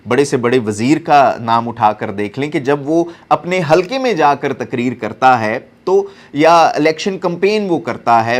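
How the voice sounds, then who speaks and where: Pakistani man giving earnest political commentary. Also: mid-range voice.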